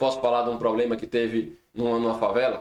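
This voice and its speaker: Fairly even intonation shapes a man's medium-pitched speech. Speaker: teacher for public exam preparation. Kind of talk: tutorial. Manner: fast.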